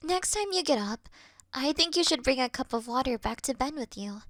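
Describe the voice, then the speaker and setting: A woman playing a caring, worried best friend in an intimate roleplay audio call, speaking softly and soothingly with breathy murmurs. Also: sits high, animated, moderate pace, no echo, studio quality. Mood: patient, encouraging. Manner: soft, soothing, reassuring, sighing, dropping into breathy murmurs. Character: caring, gentle young female best friend, patient and worried.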